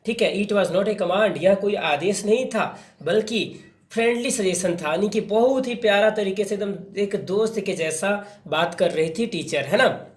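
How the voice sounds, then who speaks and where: A man teaching an English textbook story, reading the English lines slowly and explaining them in a chatty way with many fillers. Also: sits high, reverberant.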